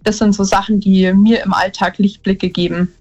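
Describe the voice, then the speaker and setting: Young female caller from Upper Bavaria; mid pitch, friendly, slightly dull phone audio. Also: flat delivery, normal speed, darkish tone. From Upper Bavaria, Germany. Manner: friendly, laughs lightly, hesitant fillers. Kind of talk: phone-in conversation.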